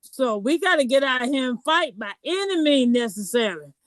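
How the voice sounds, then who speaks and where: High, bright woman, fiery over a breaking-up group call. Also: animated, dry recording. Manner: fiery, slogan-driven, halting restarts. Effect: group voice call connection, breaking up. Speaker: meeting member sharing. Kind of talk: impassioned call to action. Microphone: remote call mic.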